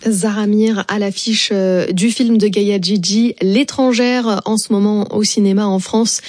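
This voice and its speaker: A woman presenter making brisk radio announcements between segments. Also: medium pitch, fairly even intonation, a little mellow, no room sound. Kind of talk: radio links. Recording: dry studio sound with faint music.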